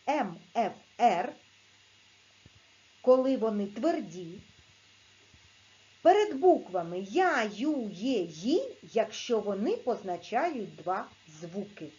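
A woman teaching a video lesson to young pupils, speaking clearly and patiently and sounding out letters and syllables. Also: a little high, mellow, highs cut off. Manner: slow, clear, patient dictation-like instruction. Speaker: primary school teacher.

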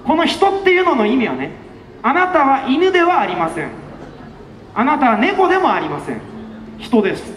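A man giving an impassioned street campaign speech outside a station, rhetorical and fiery, often breaking into shouts. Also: extremely high pitch, wildly swooping pitch, moderate pace, long pauses, a little hiss or hum. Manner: fiery, rhetorical, with repeated questions and bursts of shouting. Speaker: election campaign speaker. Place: outdoors in front of a busy station. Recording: echoey outdoor PA sound with faint music.

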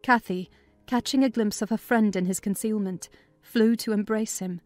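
Woman narrating, music softly behind. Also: mid-range voice, steady tone, normal speed. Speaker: audiobook narrator. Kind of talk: scripted dramatized narration of a classic novel.

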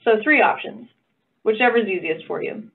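Upbeat woman facilitator, mid-pitched, encouraging tone, tinny phone-like call audio. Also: expressive, moderate pace, vocal fry. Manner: upbeat, encouraging, playful asides. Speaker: meeting facilitator. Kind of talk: online meeting facilitation. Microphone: video call.

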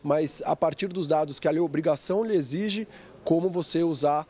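A man's voice: fairly high pitch, normal speed, mellow. A man in an interview giving practical advice on digitizing farm records, repeating his points for emphasis. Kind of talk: interview answer.

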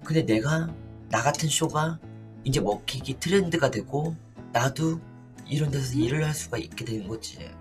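A man's voice: medium pitch, normal speed. A middle-aged man telling stories in a frank, casual, conversational way as a livestream co-host. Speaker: livestream co-host and drag show performer. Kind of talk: casual chat and storytelling. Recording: loud music behind the voice.

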